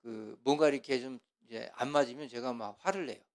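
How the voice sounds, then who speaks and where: A man preaches in an animated lecture style, firing off rhetorical questions. His delivery swings between loud stretches and hushed asides. His voice sits at a middle pitch. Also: fairly quick, gravelly. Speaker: pastor. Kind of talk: sermon lecture.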